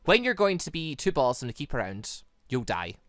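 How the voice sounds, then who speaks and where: Game host acting out a visual novel villainess, cold, threatening, swooping pitch, dry close sound. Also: big pitch swings, brisk, a bit bright, no room sound. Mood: menacing, taunting. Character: menacing villainous woman, coldly threatening.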